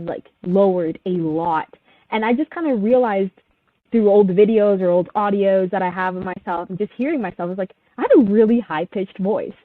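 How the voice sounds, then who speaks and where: A woman's voice: mid-range voice, dry recording. Young woman on tinny call audio. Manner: reflective, lots of fillers. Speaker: panelist. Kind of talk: casual panel discussion.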